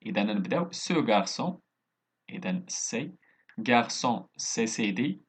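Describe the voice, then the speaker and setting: A man with a Moroccan accent, a teacher explaining a French worksheet, dictating slowly and adding quick asides in Moroccan Arabic. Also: fairly low pitch, very animated, slightly rough. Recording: dull lo-fi recording.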